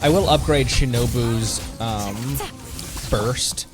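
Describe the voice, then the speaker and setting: A man's voice: medium pitch, slow pace, music in the background. A man chatting casually as he hosts a gaming livestream, rambling in loose asides. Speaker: streamer and channel host.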